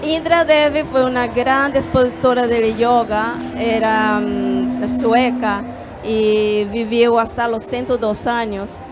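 A Brazilian woman yoga teacher speaking Spanish in a gentle, measured way with small hesitations, on a handheld mic at a fair stand. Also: on the high side, fairly even intonation, over music. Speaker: yoga teacher and holistic therapist. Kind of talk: calm explanatory interview answers. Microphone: handheld microphone.

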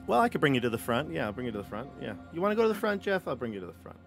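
A man narrating as game master for a live tabletop game, speaking into a headset on a video call. His voice sits at a middle pitch, and his delivery is easygoing and rambling, full of ums and restarts. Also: very animated, very fast, vocal fry, soft background music. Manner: rambling, easygoing, many fillers. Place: home room, video call.

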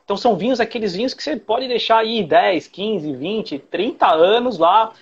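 A man's voice: sits high, animated, moderate pace, vocal fry, breathy edge, dull audio. A man in his forties with a Brazilian Portuguese accent, patiently explaining wine as a guest on a video call from his living room. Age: 40s. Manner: explains patiently, many fillers. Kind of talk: explanatory interview answers. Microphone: earphone mic on video call.

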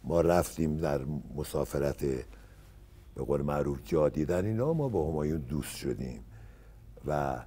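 A man in his seventies from Iran, a guest actor recalling old stories in a casual interview and acting out what others said. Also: rumbling low. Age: 70s. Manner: animated storyteller who acts out others' words.

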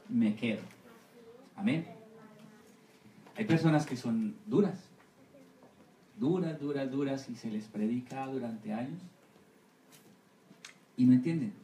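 A missionary pastor giving a Sunday school sermon, often asking the congregation for agreement with amen and right. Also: male voice, mid-range voice, darkish tone, far from the mic, a little hiss or hum. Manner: asks the congregation for assent, repeating amen and right. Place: church hall. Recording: echoey room, voice from off-mic.

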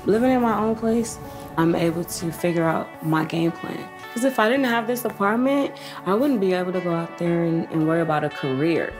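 A woman's voice: lowish voice, brisk, over music. A woman speaking sincerely and with determination in an interview at home. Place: indoors, apartment.

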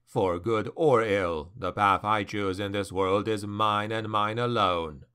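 A man's voice: fairly low pitch, steady tone, slow pace, bright, forceful tone, clear, resonant tone. A man voicing a grim, ambitious male noble warrior who speaks in a cold, defiant growl.

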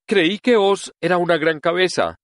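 A man's voice: sits high, moderate pace, fairly bright tone, no echo, clean studio sound, pitched above the performer's own voice. A man voicing a young girl who speaks up earnestly and insistently.

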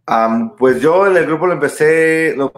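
A man's voice: a little high, expressive, measured pace, roomy sound. A man of thirty, lead singer of a Christian worship band, talking earnestly with many fillers and restarts during a video-call interview. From born in Texas, raised in San Diego and Tijuana. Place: small room indoors at home. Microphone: webcam mic on video call.

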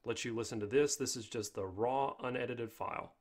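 A man with a medium-pitched voice hosts a casual software tutorial. He explains things step by step in an informal, conversational way. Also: fairly quick. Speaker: tutorial host.

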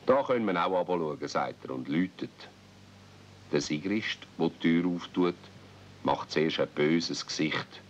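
Swiss guy narrating an old radio play, really deep voice, muffled recording w slight hiss. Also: animated, a little slow. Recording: dull, faintly noisy old cassette recording.

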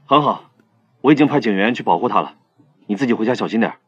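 Man as a fast, curt police team leader. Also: lowish voice, expressive, breathy edge, lo-fi sound. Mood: brisk, approving. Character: brisk, commanding elder brother, male police team leader.

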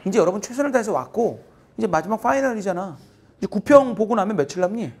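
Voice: medium pitch, big pitch swings, fast talker, darkish tone, husky. A math teacher talking casually and directly to exam students, rambling with many fillers and acting out panicked students in quoted lines. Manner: acts out students' panicked messages in quoted voices. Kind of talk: casual encouraging talk to students.

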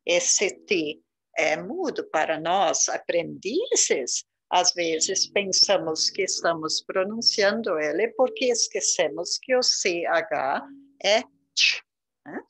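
A woman's voice: lowish voice, animated, fairly bright tone, husky, rough recording. A woman from southern Brazil with a gaúcho Brazilian Portuguese accent, patiently teaching beginners English pronunciation and repeating each word. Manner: slow, patient, repeats words for learners. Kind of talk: casual beginner English lesson.

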